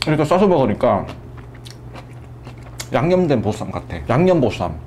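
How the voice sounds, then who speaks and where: A man's voice: mid-range voice, normal speed, slight background noise. Man talking with his mouth full. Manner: relaxed, savoring, muttering asides. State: chewing while talking. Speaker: food vlogger. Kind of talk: casual eating commentary.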